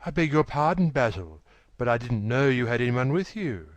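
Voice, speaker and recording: A man voicing a petulant, charming young gentleman who talks in a wilful, breathless rush. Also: mid-range voice, big pitch swings, dry recording, natural voice. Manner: wilful, quick, breathless pleading.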